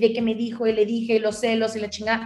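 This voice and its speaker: A woman speaks in a fairly high pitch. Noticeable background noise runs behind her. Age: 20s. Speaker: life and performance coach. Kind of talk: interview.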